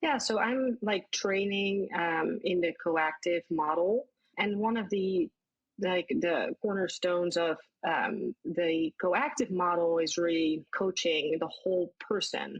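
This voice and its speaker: Speaking at a very slow pace, a woman keeps a medium pitch and very even loudness. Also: ordinary pitch variation. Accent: Dutch. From Netherlands. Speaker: parenting coach. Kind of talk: interview.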